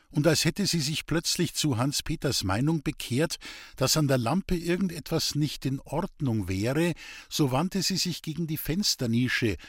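A man narrating a classic novel in a steady, measured audiobook reading. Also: fairly high pitch, husky, dry recording, studio quality. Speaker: audiobook reader.

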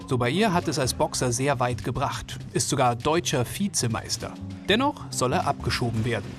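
A man reading a scripted documentary voice-over, clear and measured. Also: medium pitch, expressive, over music. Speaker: narrator. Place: studio voice-over.

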